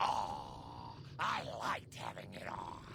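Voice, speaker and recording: Clear background noise sits under a put-on character voice delivered at a fairly slow pace. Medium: video game. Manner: sweet, doting.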